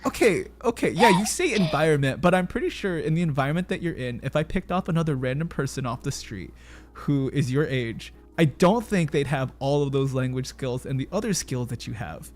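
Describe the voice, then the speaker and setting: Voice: mid-range voice, animated, brisk. Chatty, encouraging stream host. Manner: chatty and encouraging, many fillers and laughs. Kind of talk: casual streamed chat.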